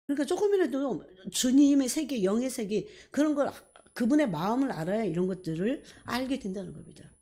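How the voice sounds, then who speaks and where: A woman pastor preaches with a mellow, husky voice. She talks animatedly and keeps turning to the congregation with quick questions. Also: medium pitch. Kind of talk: sermon.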